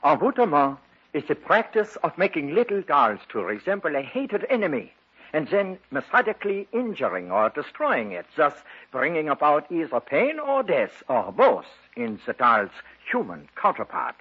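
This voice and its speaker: Stern occult doctor, formal and slow-spoken, husky voice, dull old radio sound. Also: male voice, a little high, huge pitch swings, exaggerated voice. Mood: grave. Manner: formal, measured, authoritative. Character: grave, commanding male occult doctor. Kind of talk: 1950s radio drama acting.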